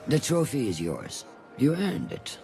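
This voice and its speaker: An actor playing a proud, steady veteran city enforcer who speaks in a measured, gently probing way. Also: male voice, mid-range voice, creaky, soft background music, exaggerated voice. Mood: composed. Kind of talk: animated series dialogue.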